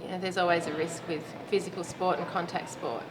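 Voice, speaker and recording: A woman's voice: on the low side, fairly even intonation, brisk. A woman in her late thirties, a roller derby player chatting in an interview and laughing now and then. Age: 30s. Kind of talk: casual interview answers. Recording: noisy background.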